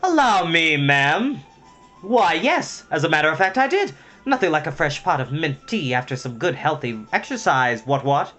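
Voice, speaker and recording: A jolly gentleman hare from a storybook, acted by a narrator, raised in pitch with big swoops. He is carefree and gallant, full of old-fashioned posh chap talk. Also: sing-song, normal speed, soft background music. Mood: gallant, cheerful. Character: jolly, carefree upper-class bachelor hare, male.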